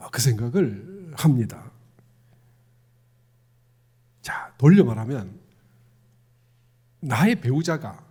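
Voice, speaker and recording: A man's voice: a little high, mellow, husky. A middle-aged man with a Gyeongsang accent, a minister giving a conversational sermon and putting questions to the congregation. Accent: Gyeongsang Korean. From Gyeongsang province, Korea. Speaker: Won Buddhist minister.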